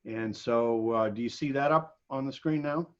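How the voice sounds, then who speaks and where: An American man giving an informal slide presentation, speaking haltingly with frequent pauses mid-sentence. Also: mid-range voice. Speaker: guest presenter. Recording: dull, lo-fi video call audio.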